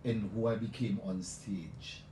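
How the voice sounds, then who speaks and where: A man's voice: lowish voice, fairly even intonation, unhurried. A male radio host talking effusively on a live show, repeating "let me tell you" as he builds up his guest. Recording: echoey room, mic at a distance, noisy.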